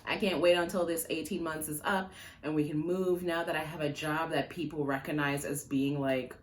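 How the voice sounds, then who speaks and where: A low-pitched woman with a steady tone and normal speed records a casual personal finance vlog at home on a tripod-mounted phone camera. Her first language is Jamaican Patois, and her rambling talk has plenty of fillers and frequent laughs.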